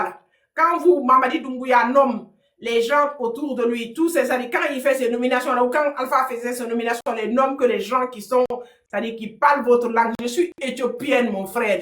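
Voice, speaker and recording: A woman's voice: on the high side, fairly bright tone. A woman, giving heated, sarcastic political commentary on a livestream and hammering her points home. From Guinea (Fouta). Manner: combative, sarcastic, repeats points. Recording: roomy echo.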